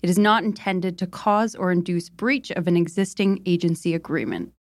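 A woman with a fairly low voice reads out a formal legal disclaimer. She delivers it as a scripted announcement, in a dry recording with no room sound. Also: normal speed, no room sound.

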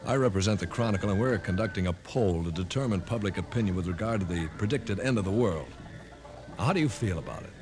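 A man's voice: on the low side, quick pace, music in the background, natural voice. An actor playing a polite, persistent male reporter, courteous and probing, in 1950s radio drama style. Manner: courteous, inquisitive.

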